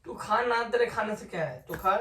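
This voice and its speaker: A man's voice: high voice, moderate pace, a bit bright, recorded from a distance, slight background noise. Sleepy, dismissive man in an echoey room. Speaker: vlogger pranking his wife. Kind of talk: casual domestic argument.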